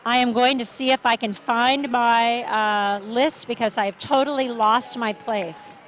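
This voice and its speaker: A woman's voice: fairly high pitch, steady tone, unhurried, slight background noise. A woman giving chatty, enthusiastic live commentary on a street parade outdoors, sometimes losing her place.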